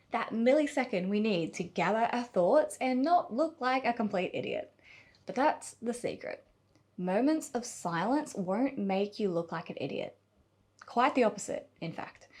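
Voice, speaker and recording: Expressive woman coaching on camera. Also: mid-range voice. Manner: expressive, deliberate pauses and emphasis. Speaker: video coach. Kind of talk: scripted on-camera tutorial.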